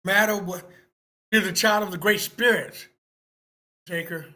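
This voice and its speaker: A man's voice: sits high, steady tone, measured pace, bright, forceful tone, exaggerated voice. A man voicing a protective tribal parent in a fantasy screenplay table read. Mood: solemn. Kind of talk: amateur table read acting.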